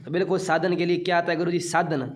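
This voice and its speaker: A man runs an online exam-prep class, chatty and teasing with his students. His voice sits a little high. He has been unwell. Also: fairly even intonation, quick pace. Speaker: teacher.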